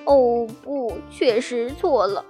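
This is a little boy mouse from a children's storybook, voiced by a woman reader, high-pitched and unhurried. He talks big and shouts like a pirate, but stammers when he gets scared. Faint music plays in the background. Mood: excited. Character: small brave boy mouse, bold but easily frightened.

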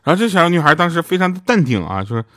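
A young man rattles off one-liners at a brisk clip in a deadpan comic monologue. He slips in and out of the voices of the people in his stories. The sound is dry and close, with no room echo. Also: a little high. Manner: deadpan storytelling, acting out the voices in his anecdotes. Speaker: stand-up comedian. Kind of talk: comic monologue of short jokes.

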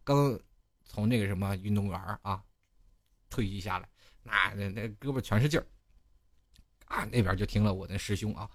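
A man hosting a studio show, telling a comic anecdote in an animated way and laughing at his own story. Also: fairly low pitch, moderate pace, pauses often, no echo.

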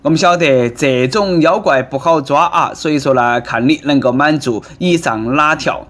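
A man's voice: on the high side, normal speed, fairly bright tone. A man with a Nanchong Sichuanese accent hosting a comic commentary in a sarcastic, mocking manner. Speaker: host.

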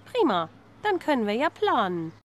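A woman plays a German woman in a listening-exercise dialogue, pushing her partner to settle their holiday plans. She asks brisk, prompting questions in a high voice with a lively, swinging melody. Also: slight background noise. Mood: eager.

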